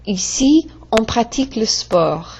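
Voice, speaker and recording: Woman, French teacher, slow and patient, drills conjugations, dull lo-fi sound. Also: a little high, lively intonation, a little mellow, slight background noise. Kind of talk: recorded classroom lesson.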